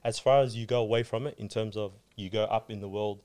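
Male guest in a relaxed chat, rattles off a story, low monotone, peppered with "you know what I mean". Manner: rapid, flat delivery with frequent "you know what I mean". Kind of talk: casual chat.

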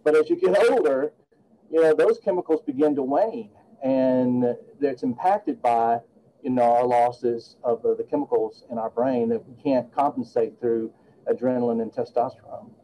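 Warm-voiced man in his late fifties. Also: medium pitch, normal speed, rough recording. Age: 50s. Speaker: guest attorney. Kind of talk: podcast interview.

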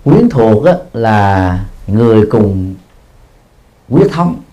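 Mellow-voiced monk giving a dharma talk. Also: male voice, fairly low pitch, very animated. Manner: explanatory, peppers phrases with a drawn-out filler, chuckles at himself. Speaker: Buddhist monk teacher. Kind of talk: dharma talk answering questions. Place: Buddhist practice hall in Japan.

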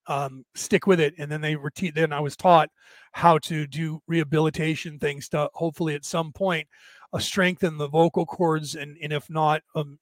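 Raspy, higher-pitched man, voice worn out. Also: no room sound. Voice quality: raspy, damaged-sounding voice from long-standing vocal cord trouble. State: vocal cords tired and worn out from talking. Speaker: host of a spiritual talk livestream. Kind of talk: rambling casual livestream monologue, reading listener comments.

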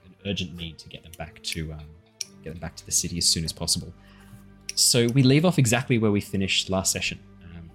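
A man's voice: low voice, fairly bright tone. A man running a tabletop game as game master, improvising narration and chatting with the players in a self-deprecating, apologetic way.

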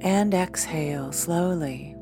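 Woman doing a guided meditation, really slow n soothing, lots of pauses, music behind her. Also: low voice. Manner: soothing, deliberate, long pauses between short phrases. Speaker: meditation guide, podcast host. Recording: background music. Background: soft instrumental music.

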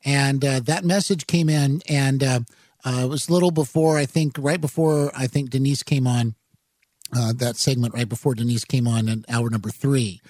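A man hosting a talk radio show, commenting on the news in a rambling, halting way with many fillers and self-corrections, into a studio microphone. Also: mid-range voice, fairly even intonation, a little mellow, no room sound.

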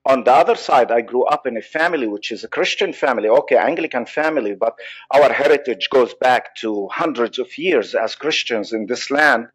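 A man with a Palestinian Arab accent, a psychologist guest on a podcast interview, speaking earnestly with halting restarts. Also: mid-range voice, lively intonation, slightly rough, poor audio. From Israel.

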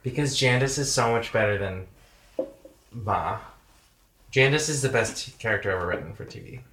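A man's voice: on the low side, expressive, a bit bright. A man in his thirties co-hosting a podcast, joking and teasing his co-host and guest in casual chat. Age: 30s. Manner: joking, teasing, quick interjections. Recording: echoey room with faint noise.

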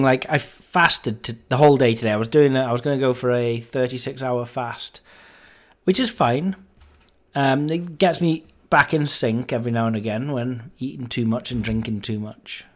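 A man giving an unscripted, casual podcast monologue as host, rambling and interrupting himself, talking over a fan in a home office. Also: on the high side. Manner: rambling, self-interrupting, mildly sweary. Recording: voice over fan noise, faint music. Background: fan running nearby, television on.

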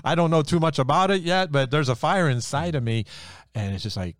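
A middle-aged man telling his Christian testimony in casual chat, earnest and lively when excited. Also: on the high side, brisk, no room sound, clean studio sound.

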